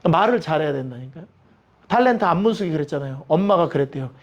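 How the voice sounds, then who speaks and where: A man's voice: on the high side, quick pace, highs cut off. A man teaching a Bible study with humor, asking the audience questions and acting out the people he quotes. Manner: lively, humorous, acts out quoted voices.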